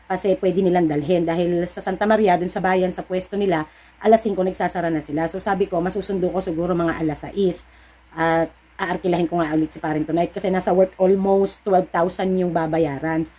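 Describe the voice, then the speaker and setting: A woman's voice: lowish voice, fairly even intonation, a little fast, mellow. Filipina lady vlogger, middle-aged, chatty storytelling, kinda preachy pep talk to her followers. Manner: chatty, storytelling with acted-out dialogue. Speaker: vlogger and sari-sari store owner. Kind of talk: casual chat to viewers.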